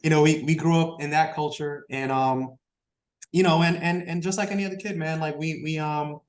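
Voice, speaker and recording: A man, a Spanish speaker, talking as an interview guest in a relaxed, rambling way full of fillers. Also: fairly high pitch, a little fast, reverberant. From Brooklyn, New York. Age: 30s. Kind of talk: casual interview talk.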